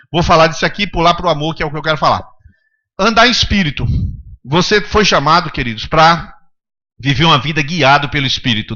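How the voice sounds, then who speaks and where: A man preaches to his congregation in a high, bright voice, driving his points home with emphatic rhetorical questions. The recording from the church service sounds dull and lo-fi. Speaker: pastor. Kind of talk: sermon.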